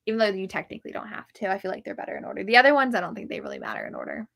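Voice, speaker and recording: A woman hosts a live book chat, giving candid, opinionated reviews in a casual way. Her medium-pitched voice is sing-song, rapid-fire and a bit bright, with vocal fry.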